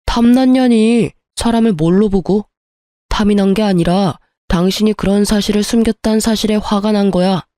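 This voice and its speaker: A woman's voice: mid-range voice, moderate pace, dark tone, dry recording, lightly acted. A woman voicing a bitter, greedy ex-husband in a story reading, with an accusing, defensive way of talking. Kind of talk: storybook narration with acted dialogue.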